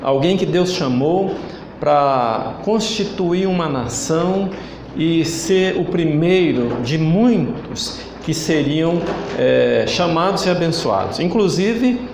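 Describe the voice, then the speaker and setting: A Brazilian man with a Brazilian Portuguese accent leads an online sermon in a church hall, his fairly high, animated voice carrying slow, emphatic preaching as he calls for the congregation's answers. The sound is roomy, with noise in the background.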